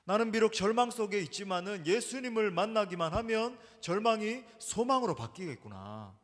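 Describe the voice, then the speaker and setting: A preacher acting out a desperate blind beggar, crying out. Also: male voice, high-pitched, animated, normal speed, big-room sound. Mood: hopeful. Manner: pleading, crying out loud.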